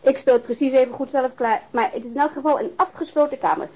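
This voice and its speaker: An actress playing a bossy, teasing, practical woman at home in a naturalistic radio drama, brisk and bantering. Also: sits high, darkish tone. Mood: brisk, dismissive. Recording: muffled radio drama recording.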